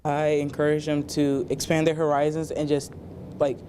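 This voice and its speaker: Teen camper, casual, darkish tone, faint rumble behind. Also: level tone, normal speed, dark tone. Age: teens. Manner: casual, many "like" fillers. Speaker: camp student. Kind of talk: news interview.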